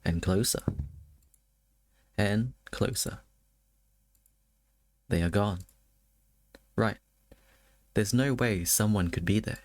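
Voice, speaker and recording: A man's voice: on the low side, takes it slowly, pauses often, darkish tone, no room sound. A man doing a let's play, reading game text aloud and adding casual, wry asides to his chat. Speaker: game streamer.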